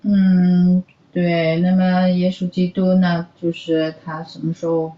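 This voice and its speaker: A woman who is a native Mandarin speaker, interpreting informally and a bit haltingly as she searches for words. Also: on the low side, level tone, echoey room, dull audio. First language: Mandarin Chinese. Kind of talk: consecutive interpreting in informal talk.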